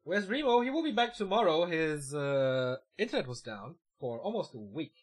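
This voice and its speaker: A man casting a live esports match: fast, excitable play-by-play that climbs at big moments, and relaxed chat with viewers between games. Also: fairly high pitch, slightly rough. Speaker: esports caster. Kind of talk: live video game match commentary.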